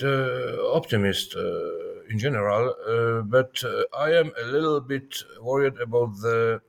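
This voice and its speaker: A man in his fifties who speaks English as a second language, answering interview questions thoughtfully and haltingly, often repeating words as he searches for the next one. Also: medium pitch, vocal fry. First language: not English. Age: 50s. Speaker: historian and author interviewed.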